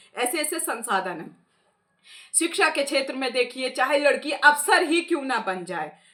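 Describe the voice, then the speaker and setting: A woman's raised, projected voice, animated in tone, with lively intonation and big swings in loudness. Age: 30s. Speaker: video blogger on social issues. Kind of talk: opinion monologue.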